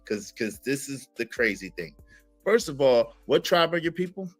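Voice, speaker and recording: A man's voice: medium pitch, very animated, moderate pace, faint music behind. A man hosting a heated live-stream debate, combative and talking over others.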